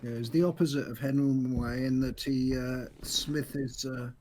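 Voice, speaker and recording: Guy on a podcast, mid pitch, kinda halting, stops to find words. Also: steady tone, a little hiss or hum. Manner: quiet and halting, searching for words. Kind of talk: casual book discussion.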